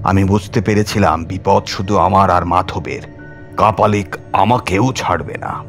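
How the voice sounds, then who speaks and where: Low-pitched and unhurried, this male narrator reads a scripted horror story for an audiobook, delivering it with theatrical suspense and drama. Music plays behind him.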